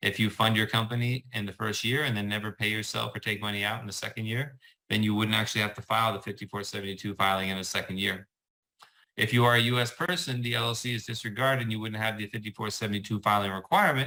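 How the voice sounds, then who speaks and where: The tone is bright and sharp, delivered at a very fast pace. The recording is very clean, with a silent background. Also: man, fairly low pitch for a man, fairly even intonation. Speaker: tax accountant. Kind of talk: live Q&A answer.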